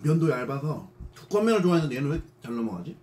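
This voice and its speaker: A young man on a channel he co-hosts, chatting through a mouthful of noodles, slowed down and chewing between words. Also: fairly high pitch, very animated, a little mellow, a little hiss or hum. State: mouth full. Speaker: channel co-host. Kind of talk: casual mukbang chat. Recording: music playing over voice.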